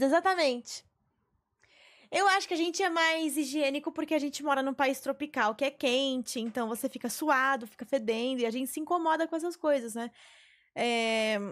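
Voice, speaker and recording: A young woman streaming a life-sim game, chatting casually with viewers and telling stories, swearing now and then. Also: high-pitched. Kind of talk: casual gameplay chat with viewers. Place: small bedroom streaming setup, indoors. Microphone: headset mic on webcam stream.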